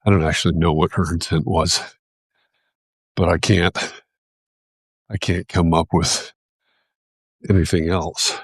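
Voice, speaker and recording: A man with a very low voice talks thoughtfully, pausing and restarting as he searches for the right words. He sounds like a host sharing his thoughts on a live video. The sound is close and dry, with no room echo. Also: steady tone, husky. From United States. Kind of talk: reflective casual talk.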